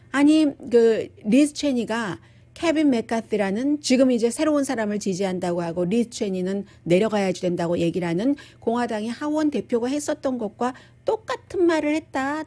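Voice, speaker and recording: A woman's voice: a little high, dark tone. A woman hosting live news commentary, explaining things in a conversational way with restatements and quoted asides.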